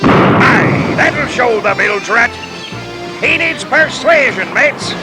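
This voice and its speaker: Casting: gruff old seafaring bully, drawn-out delivery, loud music behind. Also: male voice, very high voice, expressive, heavily acted. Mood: taunting, commanding. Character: gruff old pirate captain, bullying and salty. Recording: theme park ride audio under loud music.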